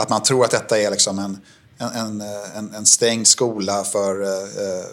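A man with a slight west coast Swedish accent speaks at a fairly low pitch with fairly even intonation. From Gothenburg, Sweden. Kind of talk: interview. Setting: his office.

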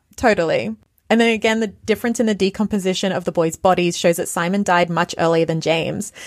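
At a very fast pace with ordinary pitch variation, the speech comes through on a very clean recording with a silent background. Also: woman, medium pitch for a woman. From Australia. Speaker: podcast co-host. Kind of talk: casual chat.

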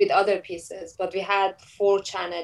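Speaking with a Persian accent, a woman talks at a fairly slow pace. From Iran. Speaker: visual artist. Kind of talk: casual interview.

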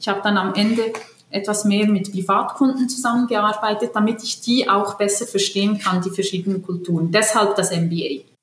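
A woman's medium-pitched voice at a moderate pace, fairly even in intonation, over noticeable background noise. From German-speaking Switzerland. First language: Italian and French (speaking German). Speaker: finance executive. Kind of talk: interview.

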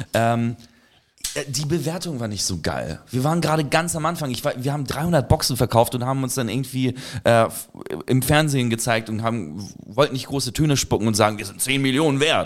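A man with a northern German accent, medium in pitch, at a fairly quick pace with ordinary pitch variation. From Kazakhstan. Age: 30s. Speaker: spirits company founder. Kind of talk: casual chat.

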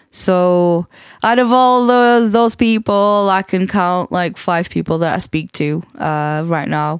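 Speaking at a very slow pace, a woman uses a medium pitch with ordinary pitch variation. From Portugal. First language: Portuguese. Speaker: podcast host. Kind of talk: solo monologue, candid talk. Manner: candid, rambling, jumps between topics.

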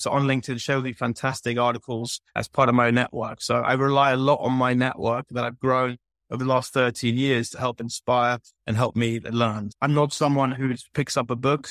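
A man with a London accent speaks at a fairly quick pace and medium pitch, his intonation monotone and flat, the sound dry and close with no echo. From London, England. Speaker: advertising agency CEO. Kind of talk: interview. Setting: video call.

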